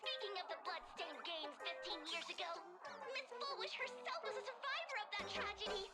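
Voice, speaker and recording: A woman voicing an excitable, childlike cartoon TV news anchor with a gushing, dramatic delivery. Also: extremely high pitch, fairly quick, over loud music. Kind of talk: scripted mock TV news broadcast.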